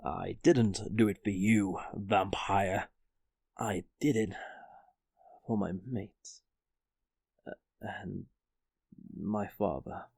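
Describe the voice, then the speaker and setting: A man playing a guarded, loyal werewolf in an audio drama, gruff and halting. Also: on the low side, fairly even intonation, a little mellow, no room sound, heavily acted. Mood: gruff, defiant.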